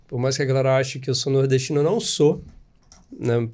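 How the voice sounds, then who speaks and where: A Brazilian man in his thirties tells his life story as a podcast guest. His talk is lively and chatty, full of tag questions, and his voice sits at an ordinary male pitch. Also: a little fast. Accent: Brazilian Portuguese. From Espírito Santo, Brazil. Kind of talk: casual storytelling interview.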